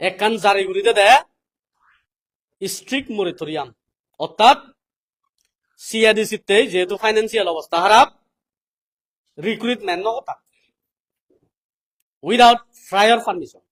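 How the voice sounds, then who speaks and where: Male political speaker, South Asian accent, notably high-pitched, delivering a deliberate, explanatory public address. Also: poor audio. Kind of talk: public address, reading English passages and explaining them.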